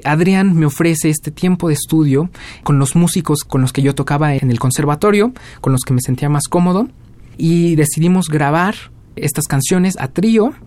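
A Mexican man in his twenties, a young jazz musician answering interview questions in a relaxed storytelling way with many fillers. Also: on the high side, no echo. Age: 20s. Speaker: guest musician.

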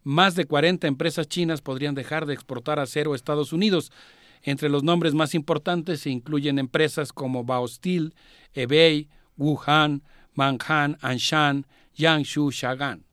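A male radio co-host talks through world affairs in a careful, explanatory way. His voice sits somewhat high for a man and often stops on small "eh" fillers. The studio sound is dry and close. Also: steady tone, fairly bright tone, no room sound. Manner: measured, explanatory, with frequent "eh" fillers.

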